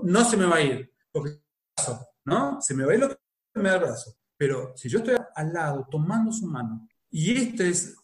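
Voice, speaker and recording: A man's voice: fairly high pitch, reverberant. A man in his forties with an Argentine accent, a psychologist talking about parenting in a reflective, explanatory way, often asking rhetorical questions. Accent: Argentine Spanish. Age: 40s. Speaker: psychologist guest. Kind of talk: conversational talk on parenting.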